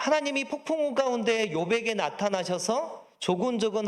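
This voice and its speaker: A high-pitched man's voice with lively intonation at a moderate pace. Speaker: pastor. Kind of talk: sermon.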